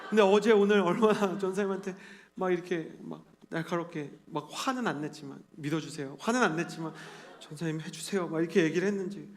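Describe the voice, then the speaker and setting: A man in his thirties preaching a sermon to a young adult congregation, earnest and animated, acting out quotes as he tells stories. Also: high voice, fast, few pauses. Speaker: pastor. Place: church sanctuary.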